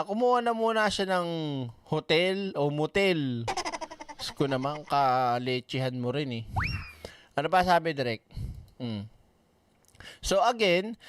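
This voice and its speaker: Man, ranting commentary, blunt and profane, slightly high voice, smooth and clear, dry close mic. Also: fairly bright tone, no room sound. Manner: blunt, swears often, reads comments aloud. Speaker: online commentator.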